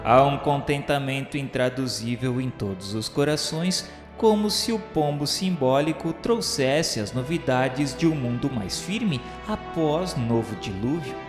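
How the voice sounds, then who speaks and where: A man narrates in a Brazilian accent with a mid-pitched voice, solemn and declamatory like a formal literary reading. His delivery is reverent and scripted. The sound is very echoey, with music playing behind him. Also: expressive, measured pace, hardly any pauses. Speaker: narrator of a radio novela. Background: background music.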